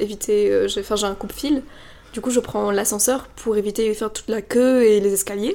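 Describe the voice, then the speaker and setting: Her pitch fairly high, the woman varies it in an ordinary way as she speaks. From Brittany, France. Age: 20s. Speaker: sociology student. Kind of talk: interview. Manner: halting, many fillers.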